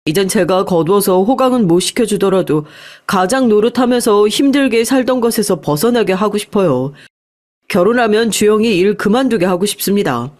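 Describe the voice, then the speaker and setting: A woman's voice: mid-range voice, lively intonation, moderate pace, darkish tone, close to an everyday voice. A woman voicing an earnest, polite young man in love, in story dialogue. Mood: earnest, respectful.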